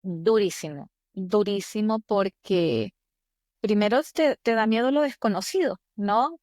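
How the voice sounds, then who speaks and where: A woman in her fifties with a Venezuelan accent shares personal stories as a podcast guest. Her mid-range voice is expressive and emphatic, often repeating phrases for effect. The sound is dry, with little room echo. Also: medium pitch, measured pace. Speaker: podcast guest, executive coach. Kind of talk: conversational interview, personal storytelling.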